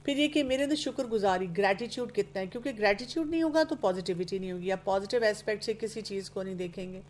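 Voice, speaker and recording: Woman, earnest advice-giving lecture voice, slips English terms into her speech. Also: medium pitch. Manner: acts out young people's excuses in quoted asides. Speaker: speaker on youth guidance. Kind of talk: lecture on self-improvement.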